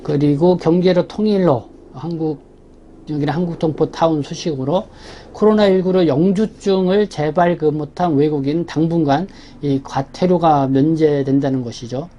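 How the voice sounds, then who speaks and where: Higher-pitched, mellow-voiced man presenting news. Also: moderate pace, lo-fi sound, a little hiss or hum. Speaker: host presenting a community newspaper's issue. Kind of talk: semi-scripted spoken news briefing, page by page.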